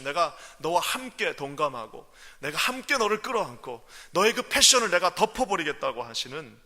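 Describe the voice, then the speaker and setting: A fairly high, very bright and animated man preaching in a large church sanctuary. He jumps from near-shouted emphasis to hushed whispers, drawing out words for effect. His voice rings with a long hall reverb. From Korea. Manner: swings from loud exclamations to hushed whispers; draws out words slowly for emphasis. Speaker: pastor. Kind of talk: sermon.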